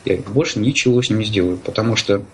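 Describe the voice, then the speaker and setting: A man giving conversational interview answers in a halting, hesitant way, often searching for words. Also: lowish voice, slight background noise, low-quality recording. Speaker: interview guest, blind user of assistive technology.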